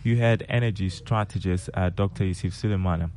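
A man's voice: sits low, fairly even intonation, a little fast, a little mellow. A man with a Ghanaian accent presenting a business news bulletin on the radio.

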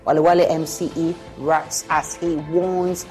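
Low-voiced Ghanaian news anchor woman. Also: little pitch movement, darkish tone, faint music behind. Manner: measured, formal. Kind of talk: scripted news reading.

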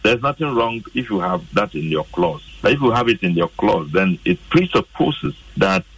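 A Ghanaian man with a deep, husky voice asks a string of pointed questions. He is recorded from some distance, and the sound stays dry. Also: sing-song, moderate pace, fairly bright tone, no echo. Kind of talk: questioning remarks.

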